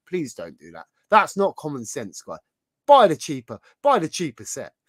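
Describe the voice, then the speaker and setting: Male streamer, hoarse from a sore throat, slightly high voice, dry close sound, rambling host chatter. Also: a bit bright, no room sound. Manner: chatty, rambling, thinks aloud while browsing. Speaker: livestream host. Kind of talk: casual livestream chat.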